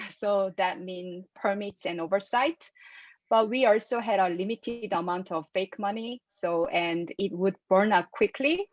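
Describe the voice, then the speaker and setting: A woman's voice: mid-range voice, dry recording. A woman explains her ideas carefully and earnestly, her shaping her English. The video-call audio is dull and lo-fi, with no room sound around her voice. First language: Korean. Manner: careful, earnest, soft laughs between points. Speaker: filmmaker guest. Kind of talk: interview answers.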